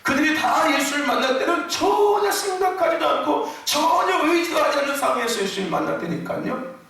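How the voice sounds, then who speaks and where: A man's voice: extremely high pitch, animated, a little fast, vocal fry. A male pastor preaching a Sunday sermon with passion, often raising his voice and laughing as he tells his story. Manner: impassioned, often shouting and laughing mid-phrase. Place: church sanctuary. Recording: echoey church hall from far off.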